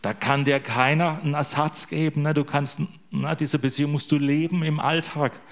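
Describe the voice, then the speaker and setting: A man's voice: on the high side, fairly even intonation, moderate pace. A man giving an informal sermon to his congregation. He is a father of young children who talks in a loose, joking way and keeps tagging his sentences with little questions to the listeners. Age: young adult to middle-aged, a father. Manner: chatty, joking, constant tag questions. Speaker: preacher.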